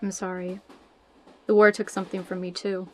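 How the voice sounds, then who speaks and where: A brash female spy from an audio drama, acted by a woman, with a mid-pitched voice. She is sardonic and blunt, a hard drinker who carries old grief and will not back down. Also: flat delivery, moderate pace, a little mellow, a little hiss or hum, natural voice. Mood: regretful. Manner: sardonic, blunt, foul-mouthed.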